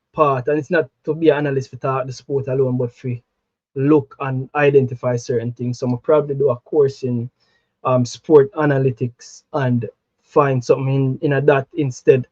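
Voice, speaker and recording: A Jamaican man with a fairly high voice talks football in easygoing patois-tinged chat. The sound is dull and dry, close and flat. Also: no echo. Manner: animated, Jamaican patois turns. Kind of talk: casual chat.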